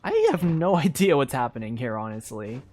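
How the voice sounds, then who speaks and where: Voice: mid-range voice, big pitch swings, normal speed, darkish tone, a little hiss or hum. A game streamer thinking aloud in casual commentary, speaking in a hesitant, rambling way full of fillers. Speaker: streamer playing a video game. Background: video game music.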